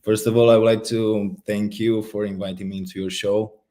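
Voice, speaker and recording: A deep-voiced man in his thirties with a Romanian accent talks over a video call. He is polite and a bit nervous and often pauses with an "uh." His low tone stays warm and gracious. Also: level tone. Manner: polite, slightly nervous, hesitant, with fillers. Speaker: guest actor.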